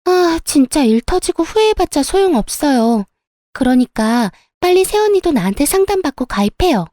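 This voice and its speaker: A woman's voice: sits high, sing-song, moderate pace, mellow, no room sound, studio quality, pitched above the performer's own voice. A woman voicing a smug, pushy young woman who sells insurance, with a gloating, sing-song manner.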